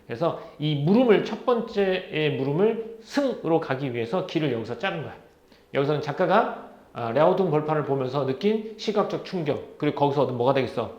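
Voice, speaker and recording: A man's voice: on the high side, lively intonation, fairly quick, a little mellow. A male teacher giving a literature lecture, firing questions at his students and answering them himself. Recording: roomy, slightly dull lecture recording.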